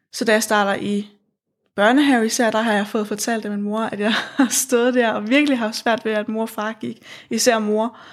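Her fairly high voice stays monotone and flat throughout as the woman speaks. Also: moderate pace. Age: 20s. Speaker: social work student sharing experience of anxiety and PTSD. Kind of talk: personal testimony interview.

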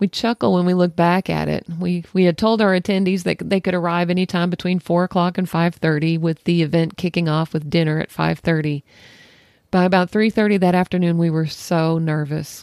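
An ordinary speaking voice at a fairly quick pace, fairly even intonation and very even loudness, dry and close with no echo, on a very clean recording with a silent background. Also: woman, fairly low pitch for a woman. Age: 50s. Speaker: podcast host, bereaved mother, ministry co-founder. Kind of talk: personal testimony.

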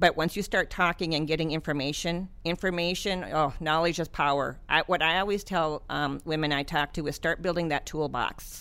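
A woman with a normal speaking voice talks at a moderate pace with hardly any pauses, a fairly low pitch and fairly even intonation. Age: 50s. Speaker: breast cancer survivor and mentor. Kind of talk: interview.

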